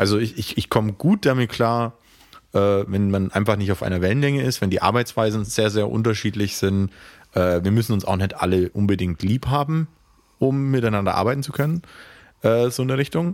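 Recorded very cleanly against a silent background, a man with a normal speaking voice talks at a fairly quick pace, his fairly low pitch showing ordinary variation. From Bavarian Swabia, Germany (near Augsburg). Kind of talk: casual chat.

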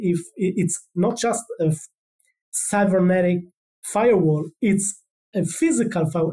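A man speaks with a Spanish accent in a dark, mellow tone. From Israel, early childhood in Buenos Aires, Argentina. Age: 30s. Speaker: journalist. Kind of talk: interview testimony. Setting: remote call from Tel Aviv.

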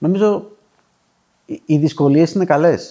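Pitched high for a man, his voice has a dark, mellow tone and lively intonation. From Greece. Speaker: tech company founder and CEO. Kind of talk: interview conversation.

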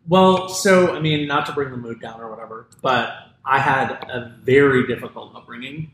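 Room echo is audible as a man talks at a fairly quick pace. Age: 40s. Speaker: writer and comedian. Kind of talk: casual chat.

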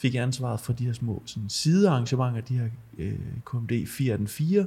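A man talks in a somewhat breathy voice, his intonation lively. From Denmark, Jutland (Vejle). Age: young. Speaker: city centre manager. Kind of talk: casual chat.

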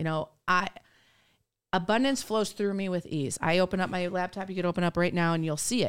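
Speaking at a fairly quick pace, a woman has an unremarkable speaking voice, medium pitch, and ordinary pitch variation. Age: 40s. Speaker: teacher with alopecia. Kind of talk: casual chat.

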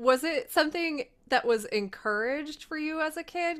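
A very clean recording with a silent background carries an animated, enthusiastic tone and very wide swings in pitch. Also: woman. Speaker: podcast co-host and interviewer. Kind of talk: casual chat.

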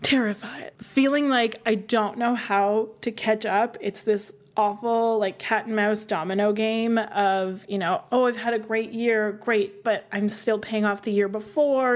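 A woman with a Canadian accent in a plain, everyday voice, fairly high in pitch and fairly slow in pace, with fairly even intonation and very even loudness on a very clean recording with a silent background. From northeastern Ontario, Canada. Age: 30s. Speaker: design director sharing money problems. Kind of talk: interview.

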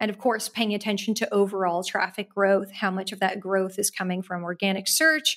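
This is a woman with an American accent. She talks at a moderate pace. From United States. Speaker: startup founder. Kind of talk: casual interview.

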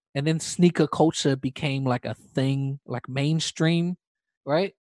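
In a New Zealand accent, a man talks at a fairly slow pace over a quiet background, with a dry, close sound and no echo. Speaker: DJ and hip hop artist. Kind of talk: casual chat, interview. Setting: video call.

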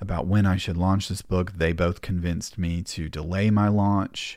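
Calm in tone, a man with a very deep, low pitch speaks fairly slowly in a very clean recording with a silent background. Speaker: podcast host and professional intuitive. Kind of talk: solo monologue.

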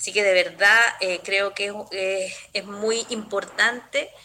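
An ordinary speaking voice delivers the words at a fairly slow pace. Its intonation is fairly even. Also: woman. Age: 40s. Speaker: agronomist and regional agency director. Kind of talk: interview.

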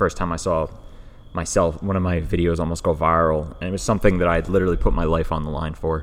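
Speech comes at a very fast pace with fairly even intonation. Audible room echo is present. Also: man, very deep, low pitch for a man. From New York. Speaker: music video director. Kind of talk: casual chat. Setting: warehouse venue.

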